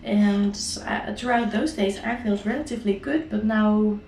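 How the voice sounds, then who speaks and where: A woman in her thirties with a Dutch accent, a mom chatting casually through a home vlog, her voice raspy from a sore throat and her talk full of fillers and restarts. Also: mid-range voice, moderate pace, a little mellow, reverberant, slight background noise, poor audio. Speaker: vlogger, mom. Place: apartment kitchen.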